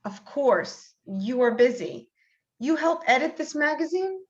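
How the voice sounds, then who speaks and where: A woman's voice: high voice, very animated, measured pace. A woman playing a shy, earnest middle-aged visitor full of wonder in a play reading, speaking hesitantly over a video call. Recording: dull video call audio.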